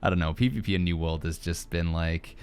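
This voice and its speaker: A man's voice: deep voice, a little fast, darkish tone, clear, resonant tone. A man hosting a podcast in a casual, joking, rambling chat style. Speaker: podcast host.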